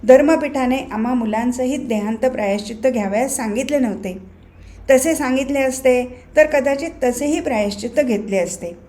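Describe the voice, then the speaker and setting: A woman voicing a calm, wise young boy ascetic who speaks gently and steadily in a novel reading. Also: sits high, moderate pace, lightly acted.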